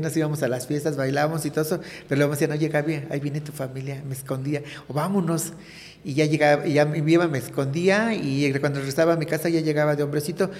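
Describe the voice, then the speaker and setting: A woman's voice: low-pitched, darkish tone. A trans woman giving an earnest, rambling personal testimony in an interview, full of fillers. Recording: echoey hall reverb.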